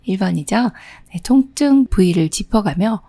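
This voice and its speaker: A woman's voice: medium pitch, animated, moderate pace, dark tone, dry recording. A middle-aged woman instructor reads out exam questions and patiently explains each answer. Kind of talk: exam question walkthrough lesson.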